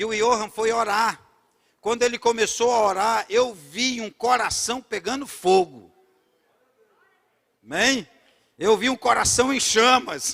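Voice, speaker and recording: At an extremely high pitch with a bright, sharp tone, a man speaks at a fairly slow pace. His speech has long, frequent pauses. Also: ordinary pitch variation. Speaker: preacher. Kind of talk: sermon. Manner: animated.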